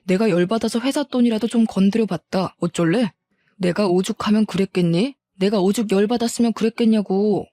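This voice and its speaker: Woman reading a resentful, greedy husband for a story drama; defiant, sneering, mellow tone, dry close sound. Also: mid-range voice, brisk, dry recording, natural voice. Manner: whining, then defiant and sneering. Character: bitter greedy middle-aged husband, resentful.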